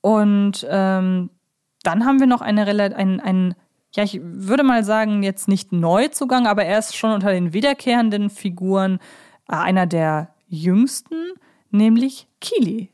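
A woman co-hosts a fan podcast in a medium-pitched, slightly mellow voice. She speaks conversationally, pausing to rephrase and correct herself as she works through her thoughts.

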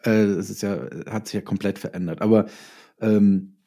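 A man's voice: fairly low pitch, steady tone, normal speed, vocal fry, mellow. A middle-aged man chatting casually as an interview guest, telling stories from his working life and acting out bits of dialogue. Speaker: interview guest, author and filmmaker.

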